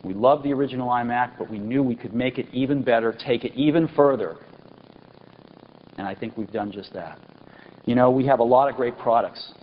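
A man in his forties giving an enthusiastic product launch keynote on a large auditorium stage, pausing for effect and stressing key words. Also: mid-range voice. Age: 40s. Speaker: company executive presenting a product keynote. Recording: dull lo-fi 1999 event recording with faint hiss.

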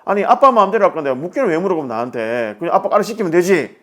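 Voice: medium pitch, sing-song, racing, fairly bright tone. A man voicing his youngest child, who whines and grudgingly gives in to dad.

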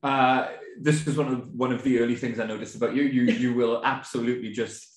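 A man's voice: mid-range voice, steady tone, a little fast. A man co-hosting a podcast, bantering wryly and hamming up the show's intro. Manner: wry banter, mock-grand show intro. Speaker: podcast co-host. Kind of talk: casual chat. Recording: roomy echo.

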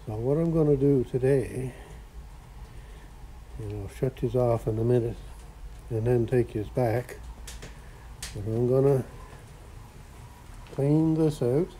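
A man's voice: mid-range voice, takes it slowly, pauses often, dark tone, slight background noise, rough recording. A man rambling in a folksy way while filming in his cluttered home workshop garage. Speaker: vlogger. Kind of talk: casual workshop vlog.

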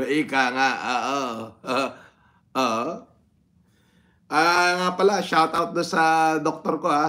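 Casting: Filipino man, middle-aged, slightly higher-pitched, very unhurried casual livestream host with lots of pauses. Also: sharp tone. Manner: unhurried, drawn-out, with many pauses and interjections. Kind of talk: casual livestream chat, greeting viewers. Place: indoor room with framed painting. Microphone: phone propped at arm's length.

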